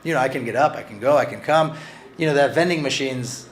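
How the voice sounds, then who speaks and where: Earnest man with halting restarts. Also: mid-range voice, a little hiss or hum. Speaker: author discussing his book. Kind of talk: conversational talk with read-aloud passages.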